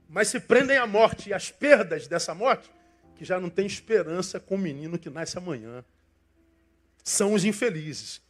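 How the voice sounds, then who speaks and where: An older pastor with a Brazilian Portuguese accent and a high voice preaches a passionate sermon. He swings between loud emphasis and soft asides.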